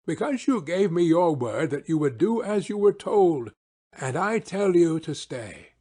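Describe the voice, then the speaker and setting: A man's voice: on the high side, very animated, measured pace, mellow. A man playing a confident, eager male detective in an audiobook, with commanding, precise phrasing. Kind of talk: audiobook character acting.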